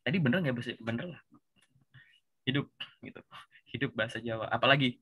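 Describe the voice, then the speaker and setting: A man with a Javanese accent giving a relaxed, chatty coaching session and tagging his sentences with filler words. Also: mid-range voice, fairly quick, slightly rough. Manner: relaxed, chatty, says "gitu" constantly. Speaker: career coach.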